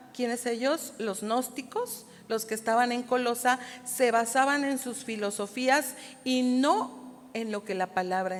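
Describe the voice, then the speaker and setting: A Mexican woman giving a church Bible lesson, explaining step by step and often asking the congregation to confirm they follow. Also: a little high. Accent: Mexican Spanish. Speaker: Bible study teacher. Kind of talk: church teaching. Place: church hall. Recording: reverberant hall, sound system distortion.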